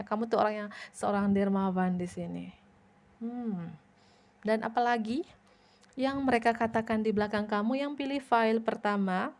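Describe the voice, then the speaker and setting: A woman reading tarot cards for her viewers, speaking gently and directly to the listener with a repeated "ya". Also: fairly high pitch. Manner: addresses viewer directly, repeats tag "ya" often. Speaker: tarot reader.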